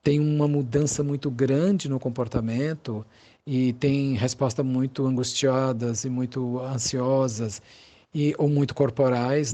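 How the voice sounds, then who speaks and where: Brazilian man, mid-pitched, soft dark timbre, halting conversational interview answers, thoughtful psychologist. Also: vocal fry. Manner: thoughtful, halting, searching for words with repetitions.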